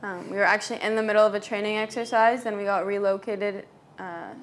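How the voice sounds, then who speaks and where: A woman's very fast speech with fairly even intonation. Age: young. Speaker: soldier. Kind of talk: interview.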